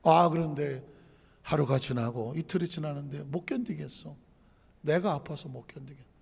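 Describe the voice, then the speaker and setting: A man's voice: sits high, gravelly, long reverb tail. A male pastor preaching a sermon in a conversational way, asking rhetorical questions, telling a personal story and repeating phrases for emphasis.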